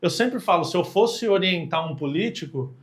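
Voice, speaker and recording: A man's voice: sits high, lively intonation, moderate pace, a little hiss or hum. A man with a Brazilian accent, a podcast guest chatting casually in a slangy way and acting out quoted lines. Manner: slangy, acts out quoted dialogue in voices. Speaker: podcast guest, communication expert.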